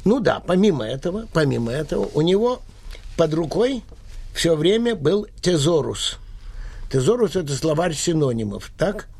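Gravelly, husky-voiced man hosting a talk show. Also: a little high, sing-song, moderate pace, darkish tone. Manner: hesitant, full of filler sounds, insistent. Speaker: radio host interviewing a writer. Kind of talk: radio talk show conversation.

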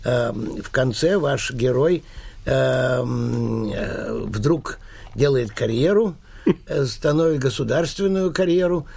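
A man hosting a radio talk show, talking insistently and pausing often with hesitant filler sounds. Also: medium pitch, creaky, darkish tone, husky. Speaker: radio host interviewing a writer.

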